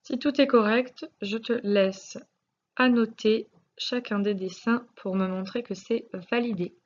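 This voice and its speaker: Slow, patient French woman teacher. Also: on the high side, fairly even intonation, highs cut off. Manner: slow, patient, sounds out syllables. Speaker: primary school teacher. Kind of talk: recorded spelling lesson correction.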